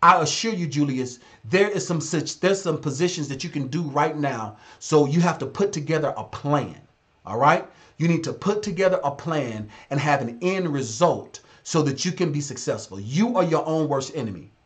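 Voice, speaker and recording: A man's voice: a little high, animated, moderate pace. A man in his thirties, a business consultant giving blunt, exhorting advice on a live stream and repeating phrases for emphasis. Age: 30s.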